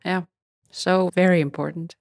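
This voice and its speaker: A woman's voice: on the low side, fairly even intonation, moderate pace, gravelly, darkish tone, no echo, studio quality. A woman hosting an interview, affirming and encouraging her guest as she asks questions. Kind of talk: conversational interview.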